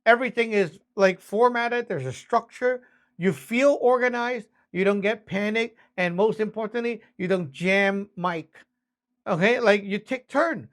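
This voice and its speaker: A man with a notably high-pitched voice works as an instructor. He explains things step by step in a casual spoken style, often checking in with short tag questions. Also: unhurried, fairly bright tone. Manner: conversational, frequent check-ins, spells things out step by step. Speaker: instructor teaching radio communication basics. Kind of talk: casual spoken lesson with acted-out example exchanges.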